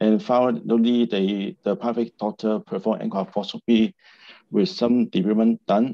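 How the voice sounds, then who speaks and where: A man speaks at a moderate pace, his pitch medium and his tone dark and mellow. The background is quiet. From Hong Kong. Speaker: orthopaedic surgeon. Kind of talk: case presentation. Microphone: video call.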